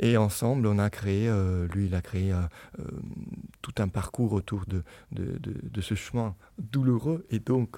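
A man with an Italian accent, very slow, dark and mellow in tone, medium in pitch with ordinary pitch variation, on a very clean recording with a silent background. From Italy, Naples. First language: Italian (speaking French). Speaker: veterinary anesthesiologist. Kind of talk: interview. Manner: halting.

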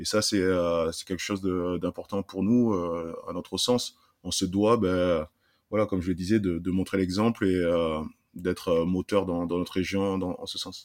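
A man's very deep, low voice, fairly slow pace and monotone, flat intonation. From southern France, Montpellier area. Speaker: former rugby player. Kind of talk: interview.

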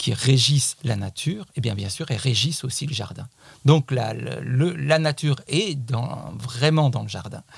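In a very clean recording with a silent background, a man with vocal fry talks at a fairly slow pace, his medium pitch moving with ordinary variation. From Paris region, France. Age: 60s. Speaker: landscape designer and author. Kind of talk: casual radio chat. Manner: halting, repeats words.

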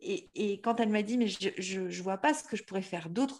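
A woman's somewhat breathy voice, animated in tone, with ordinary pitch variation. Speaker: life coach. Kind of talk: casual interview.

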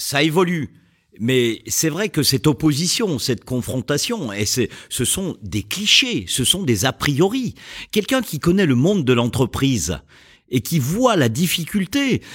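A man's fairly high voice with vocal fry, very wide pitch swings and a very slow pace. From France, Jura (Bresse jurassienne). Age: 60s. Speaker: sales trainer. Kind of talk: interview. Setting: school premises. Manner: animated; hypnotic cadence.

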